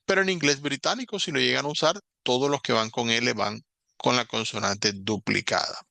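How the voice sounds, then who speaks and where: Gravelly man explaining a grammar lesson. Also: medium pitch, sharp tone, no room sound. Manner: explains slowly, repeats examples, checks in with "¿ok?". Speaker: English teacher.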